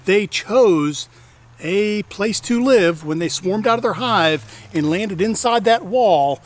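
A man's voice: high-pitched, expressive, slow. A middle-aged man hosting a casual beekeeping vlog outdoors, talking in a chatty way with exclamations and repeated restarts. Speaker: hobbyist beekeeper and channel host. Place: outdoors in a wooded backyard apiary. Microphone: camera on a tripod at a distance. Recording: faint outdoor noise, bees and insects.

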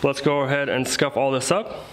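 A man's voice: medium pitch, steady tone, normal speed. A man in his thirties chatting casually to viewers as a vlog host, with informal, colloquial phrasing, recorded in a garage. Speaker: car rebuild vlog host. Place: garage workshop, indoors. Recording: roomy echo, faint background noise.

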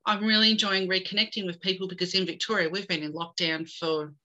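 A middle-aged woman from Australia, a guest on a video call, telling her story in an animated way and slipping in jokes. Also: on the low side, fast talker, dull audio. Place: home room with bookshelves.

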